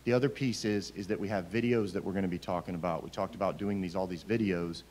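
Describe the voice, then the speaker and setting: Fast-talking middle-aged man at a meeting. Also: sits low, fairly even intonation, a little mellow, slight background noise. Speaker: school board vice chair. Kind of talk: questioning at a public board meeting. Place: large meeting room. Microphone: table gooseneck or stand microphone.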